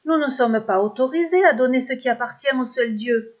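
A woman's voice: sits high, moderate pace, natural voice. A woman voicing Epimetheus, a hasty, thoughtless and cheerful male titan, eager and boastful, recorded with dull lo-fi sound. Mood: frightened.

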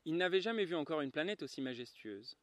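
A man calmly reading a children's novel aloud in a garden, in a measured storytelling manner. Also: on the high side, no room sound. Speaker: reader. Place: garden, outdoors.

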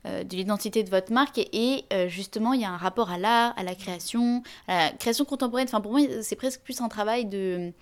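A woman's voice: medium pitch, quick pace, hardly any pauses. A woman hosting a podcast interview, asking long, winding questions full of hesitations and fillers. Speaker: podcast host. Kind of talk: conversational interview.

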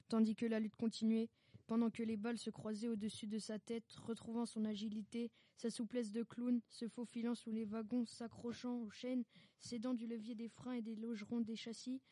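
A woman reads an adventure passage with lively expression. Her voice is a little high and mellow, recorded dry and close. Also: dry recording. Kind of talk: reading a novel excerpt aloud.

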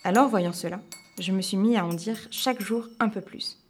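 A woman storyteller reading a children's tale aloud with lively expression. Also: medium pitch, moderate pace.

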